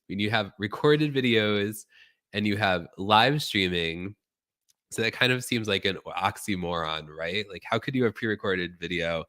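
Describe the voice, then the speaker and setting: Hoarse low-voiced man with a cold. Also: sharp tone. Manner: chatty, addresses viewers directly. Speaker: live stream host. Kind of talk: casual live stream tutorial.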